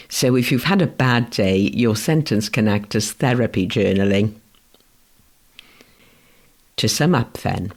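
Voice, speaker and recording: A man from Wales whose first language is Welsh, giving a scripted lesson on freelance writing in a measured, gentle way. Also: fairly low pitch, gravelly. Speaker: writing course instructor. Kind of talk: scripted educational narration.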